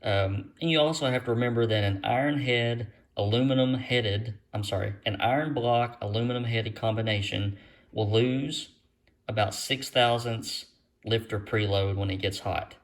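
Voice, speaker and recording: A man's voice: medium pitch, normal speed. A man casually explains a hands-on job to viewers, as an engine builder in a folksy, plainspoken, modest way. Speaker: engine builder presenting a how-to video.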